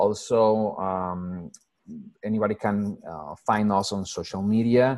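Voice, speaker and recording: With a Spanish accent, a man talks in a fairly low pitch and fairly even intonation. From Puerto Rico, San Sebastian. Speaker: small business program director. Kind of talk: interview. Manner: halting, many fillers.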